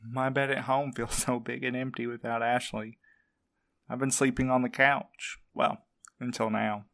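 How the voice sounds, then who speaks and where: A man's voice: mid-range voice, level tone, unhurried, vocal fry, a bit bright. A man playing an exhausted, worried courier in an audio drama, earnest and weary in manner. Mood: subdued, earnest. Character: exhausted, worried male courier missing his partner. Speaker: actor in a fiction podcast. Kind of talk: naturalistic audio drama acting.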